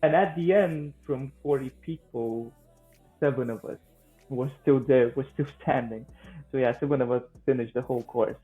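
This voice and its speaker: A man in his twenties from Romania with a Romanian accent, answering interview questions conversationally in a halting way, often repeating words. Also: mid-range voice, soft background music. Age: 20s. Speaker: guest, vocal coach and singer-songwriter. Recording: thin phone-like line.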